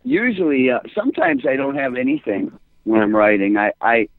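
A man's voice: mid-range voice, big pitch swings, normal speed, dry recording, narrow, tinny audio. A man with a Chicago accent, a musician guest rambling casually in an interview, often repeating words.

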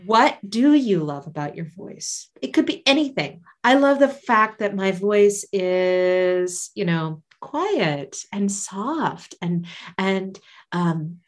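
A woman's voice: mid-range voice, lively intonation, slow pace. A woman guest on a podcast, a singer and life coach, talking in a casual, enthusiastic and encouraging way and laughing often.

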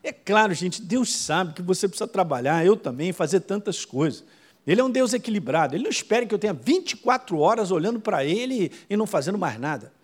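A male pastor, preaching a sermon in a lively, conversational way full of quick asides. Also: high-pitched, slightly rough.

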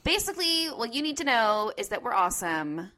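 A woman's voice: fairly high pitch, very animated, brisk, pushed and bright. A woman in her thirties co-hosting a podcast in casual banter, with a playful, self-mocking way of talking. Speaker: podcast co-host.

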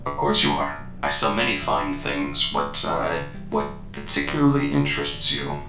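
A man's voice: mid-range voice, big pitch swings, moderate pace, vocal fry, echoey room, loud music behind the voice, voice pushed up, rough recording. A man doing an ethereal metallic droid. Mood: courteous. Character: ethereal metallic protocol droid, courteous and cryptic. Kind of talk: game master voicing a character.

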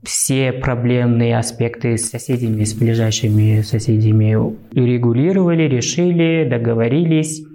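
Speaking Russian with a Central Asian accent, this Uzbek man answers as an interview guest, pausing and thinking as he explains. His voice is mid-range and dark, and the recording is rough.

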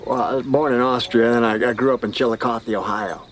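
An actor playing a reserved frontier shopkeeper who answers briefly and matter-of-factly. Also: male voice, medium pitch, fairly even intonation, fast talker, slight background noise, natural voice. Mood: polite. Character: plain-spoken frontier shopkeeper man, reserved. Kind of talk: TV drama acting.

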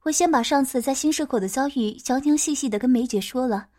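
A woman narrating a first-person audio story in a plain, steady, colloquial way. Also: sits high, fast.

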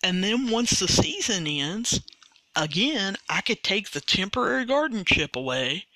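Slow-talking host. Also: medium pitch, big pitch swings, pushed and bright, dry recording. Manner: slow, deliberate, careful explaining with restarts. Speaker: podcast host. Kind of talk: casual explanatory monologue.

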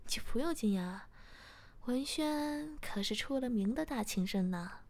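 A woman voicing a teasing, outspoken young woman who banters loudly in a whispered story. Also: a little high, expressive, unhurried.

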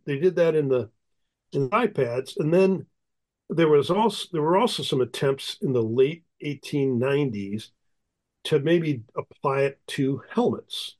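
A man's voice: a little high, a little mellow, rough recording. A man talking as a guest historian in a casual interview, rambling and often circling back with "you know.".

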